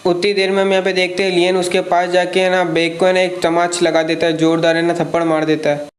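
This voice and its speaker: Rapid flat-voiced man retelling an anime. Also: high-pitched. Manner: rapid, filler-heavy, keeps tagging "है ना"; asks viewers to like and subscribe. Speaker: anime recap narrator. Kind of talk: casual spoken plot retelling.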